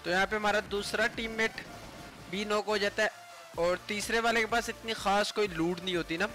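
Guy with a highish voice explaining his match casually, music behind him. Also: fairly even intonation, moderate pace, bright, forceful tone. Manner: explanatory, retelling conversations. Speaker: gaming YouTuber. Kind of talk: casual gameplay commentary. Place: voice-over over mobile game footage.

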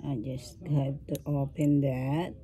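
Slow, low-voiced woman crafting jewelry. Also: little pitch movement, mellow. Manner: slow, thinking aloud while working with her hands. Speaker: craft video host. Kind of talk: casual jewelry-making tutorial. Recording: faint background noise.

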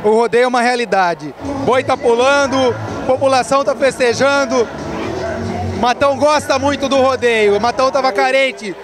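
Very high-pitched man at noisy event. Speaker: interview guest from local radio. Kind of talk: promotional interview answers. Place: outdoor rodeo at night. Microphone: handheld interviewer microphone. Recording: music and crowd behind.

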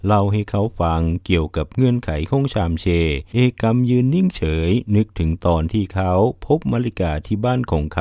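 A man narrating a plot recap of a drama in a steady, even storytelling manner. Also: on the low side, dry recording, clean studio sound.

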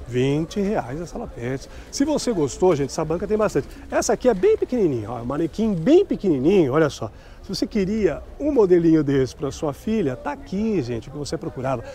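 A man's voice: fairly high pitch, sing-song, a little fast, mellow. A middle-aged man, vlogging a tour of a street market at night and chattily promoting clothes and prices. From Brazil. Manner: chatty and promotional, keeps asking vendors prices. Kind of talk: upbeat sales walkthrough.

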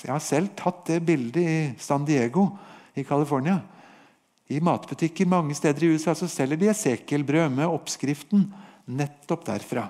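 The speaker is a Norwegian-accented man with a warm, mid-range voice. Teaching the Bible on a podcast, he narrates a prophet's story in vivid storytelling fashion, giving voice to God's words.

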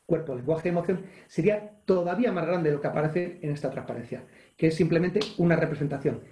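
Spanish-male coach, online webinar, energetic and demonstrative, warm mellow tone, roomy echo over a video call. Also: high voice. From Spain. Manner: energetic, acts out gestures and exclamations, reads chat questions aloud. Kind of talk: live online leadership webinar.

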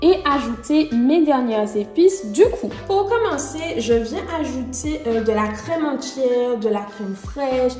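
Young woman vlogger, high voice, casual cooking chat, roomy echo. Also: unhurried, few pauses, faint music behind. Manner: chatty and relaxed, with frequent fillers and small laughs. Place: home kitchen.

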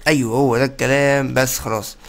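A young man with an Egyptian Arabic accent giving excitable, chatty let's-play commentary and talking straight to his viewers. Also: mid-range voice, fast, creaky. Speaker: gaming YouTuber.

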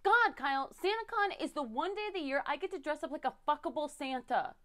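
A woman's voice: high-pitched, expressive, a little fast, fairly bright tone. A woman playing a tipsy, clingy, combative young party girl, whiny and dramatic, in a comedy monologue. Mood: whiny, indignant.

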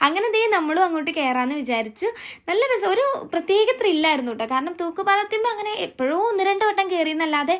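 A woman's voice: extremely high pitch, lively intonation, fast talker. A woman with a Kerala Malayali accent chatting as a vlog host, mixing English words into her Malayalam.

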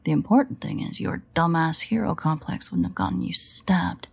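Low, husky sardonic vampire woman played by an actress. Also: huge pitch swings, moderate pace, exaggerated voice. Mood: wry, exasperated. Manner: sarcastic, grumbling, hesitant asides. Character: sardonic, guilt-ridden female vampire, protective and foul-mouthed. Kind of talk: intimate audio roleplay acting.

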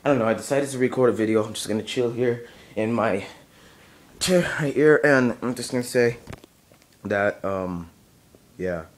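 A man's voice: medium pitch, normal speed, pauses often, a little hiss or hum. A young man in a casual home vlog, just woken up with a groggy morning voice, rambling and hesitant with many fillers, talking from his bedroom into a camera mic. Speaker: channel owner.

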